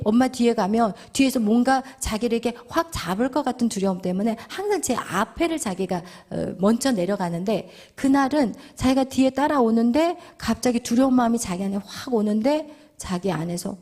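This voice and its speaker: A woman pastor preaching and teaching through a vivid personal story, sometimes dropping to a hushed whisper for emphasis. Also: on the high side.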